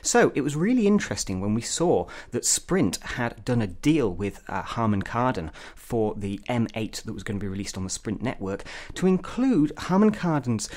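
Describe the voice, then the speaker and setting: A man's voice: medium pitch, darkish tone. A man giving an opinionated gadget review as a tech reviewer, putting emphatic stress on key words.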